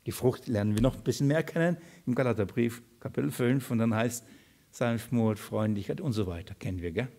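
A man preaching a sermon, asking rhetorical questions and swinging between loud calls and soft asides. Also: mid-range voice, fairly quick. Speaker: pastor.

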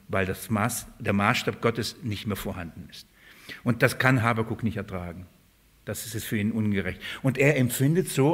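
A man's voice: on the low side, slightly rough. A man preaching a sermon to a congregation, paraphrasing scripture and asking the listeners questions.

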